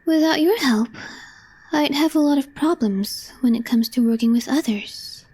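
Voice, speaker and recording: A woman playing a calm, deadpan young female coworker with a crush in an ASMR roleplay, speaking softly and breathily in measured, short phrases. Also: high-pitched. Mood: quietly fond. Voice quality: soft, breathy, half-whispered. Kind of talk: intimate ASMR roleplay, scripted.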